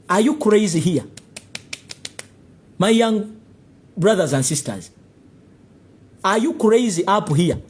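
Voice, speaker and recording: A man with a Ugandan English accent delivering a heated political rant to camera, accusing his listeners and firing off repeated rhetorical questions. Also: high voice. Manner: rising to near shouts. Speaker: political commentator.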